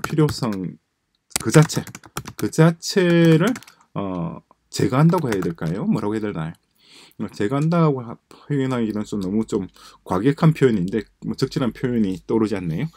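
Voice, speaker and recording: A man's voice: on the low side, animated, normal speed, a little mellow. A man giving a screen-share lecture on automation, musing aloud, repeating phrases and trailing off into mumbles as he types notes. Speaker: presenter explaining a coding project. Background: keyboard typing.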